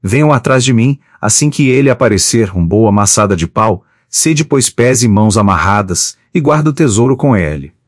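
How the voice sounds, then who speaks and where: A man's voice: fairly low pitch, lively intonation, normal speed, few pauses, no echo, studio quality. A man reading the part of a bold male neighbor who runs a shop, in a stage play. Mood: determined.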